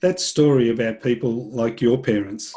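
A man's voice: medium pitch, moderate pace, mellow, slight background noise, rough recording. A man hosting a podcast, welcoming a guest and asking about his background with reflective asides. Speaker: podcast host. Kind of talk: interview hosting.

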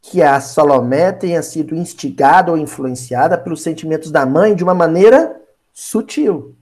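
A man leads a spiritist Bible study in a loose, conversational style. His speech moves through a wide, lively range of pitch, and he keeps turning to his listeners to make a point. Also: moderate pace. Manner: animated, talks directly to listeners, acts out quotes. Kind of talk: conversational lecture.

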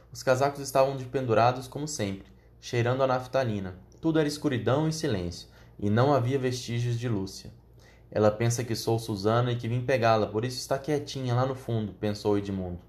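A man narrating a children's storybook in a steady, measured reading voice. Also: medium pitch. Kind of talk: audiobook reading.

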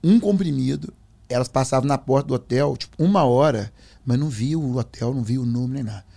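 A man telling his religious testimony in a conversation, animated and acting out voices. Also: medium pitch, quick pace, gravelly. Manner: animated storyteller, acts out voices, fillers. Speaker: guest giving a testimony.

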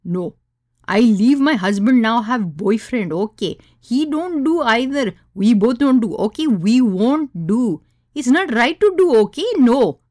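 A woman voicing a deadpan, disapproving Indian woman with a thick Indian accent and an emphatic, clipped way of talking. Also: a little high, measured pace, no echo, clean studio sound, pitched above the performer's own voice. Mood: insistent. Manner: deadpan, serious, clipped insistent delivery.

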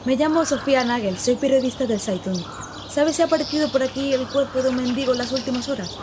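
A woman's voice: high voice, fast talker, noisy background, lightly acted. An actress in her twenties playing a naive, eager young woman reporter in a radio drama. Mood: inquiring. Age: 20s.

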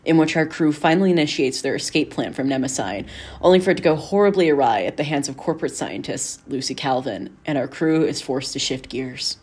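A woman's voice: low voice, a little mellow, slightly rough. A woman giving a scripted introduction as the writer and co-creator of an audio drama.

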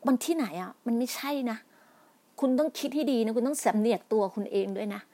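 Speaking quickly in a fairly high, mellow voice, a middle-aged woman delivers an impassioned political rant. She scolds, then pleads, then turns indignant, with polite particles and many emphatic repetitions and restarts.

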